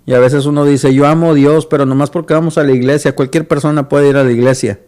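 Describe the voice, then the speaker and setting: A man's voice: medium pitch, steady tone, quick pace, darkish tone. A man hosting a Christian radio talk show, earnest, often repeating words as he searches for them.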